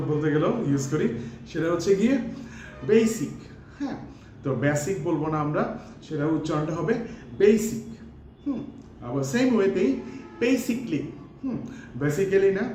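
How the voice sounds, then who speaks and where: Man, Bangladeshi accent, pronunciation teacher, slightly high voice, echoey room, faint music behind. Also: darkish tone. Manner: mixes English into talk, many fillers, stretches words to model sounds. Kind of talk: casual pronunciation lesson.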